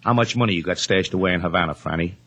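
A man's voice: sits low, racing, a bit bright, slightly rough, muffled recording. A man playing a brash, needling comedian and schemer in a 1950s radio drama, wisecracking and pushy, repeating himself. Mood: sly, menacing.

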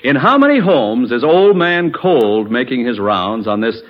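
A man's voice: mid-range voice, very animated, unhurried. A man announcing a 1940s radio commercial with polished, emphatic salesmanship. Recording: muffled 1940s radio broadcast.

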